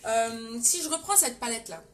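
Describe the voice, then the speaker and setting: Over a noisy background, a young French woman with a French accent runs a live makeup tutorial in an expressive voice on the high side, at normal speed. She keeps up a chatty stream of talk with viewers and reads their comments aloud.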